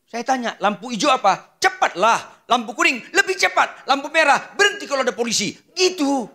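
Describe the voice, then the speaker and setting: A man's voice: very high voice, sing-song, fairly quick, bright, forceful tone. A male pastor preaching a sermon in a joking, teasing way, firing questions at the congregation. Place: church.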